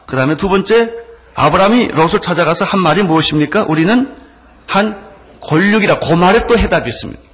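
A man preaching a sermon, emphatic, swinging between loud stresses and soft drops. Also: high-pitched, lively intonation, quick pace. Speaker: pastor.

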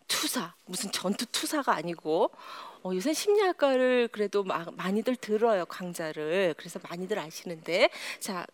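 A woman giving a lively psychology lecture to a live audience, sometimes dropping to a whisper. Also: on the low side. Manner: animated, often drops to a whisper.

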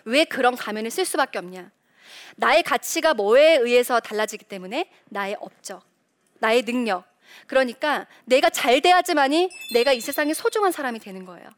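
Animated middle-aged woman giving a faith talk. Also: on the high side, normal speed. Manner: animated, acts out quoted voices; frequent rhetorical questions. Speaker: Christian speaker, former reporter. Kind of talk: faith-based motivational talk.

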